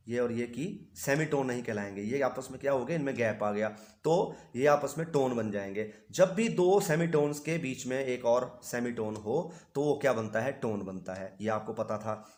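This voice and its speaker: A man teaching music theory as a patient teacher who poses questions to his students and answers them himself, playing notes on an instrument between phrases. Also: mid-range voice. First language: Hindi. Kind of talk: explanatory music lesson.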